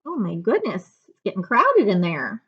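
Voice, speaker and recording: A middle-aged woman reading a children's picture book aloud with expressive, dramatic storytelling and chatty asides. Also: mid-range voice, normal speed, breathy edge, dull audio. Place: living room couch, indoors.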